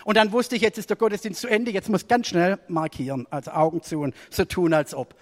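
A man preaching a sermon, telling a personal story and swinging between raised emphasis and quiet asides. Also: high-pitched, steady tone, fairly quick, long reverb tail. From Germany.

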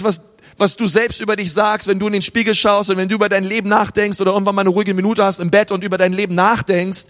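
A man's voice: high-pitched, a bit bright. A man preaching a sermon in a casual, conversational way, acting out the thoughts of his listeners. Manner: casual, conversational, acts out inner voices. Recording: reverberant hall.

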